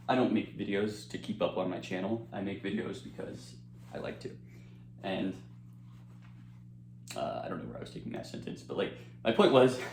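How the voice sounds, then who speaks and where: Low-voiced young man rambling while eating. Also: a little mellow, echoey room, slight background noise. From United States. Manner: rambling, with frequent fillers and restarts; talks with his mouth full while eating. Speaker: eating-channel creator. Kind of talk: casual chat while eating.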